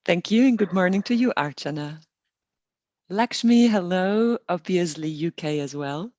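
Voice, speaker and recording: Soft-spoken lady with a lowish voice welcoming folks to an online meditation, calm and easy, muffled call audio. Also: no echo. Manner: gentle, unhurried, reassuring. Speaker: meditation host. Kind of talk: welcoming guided meditation session.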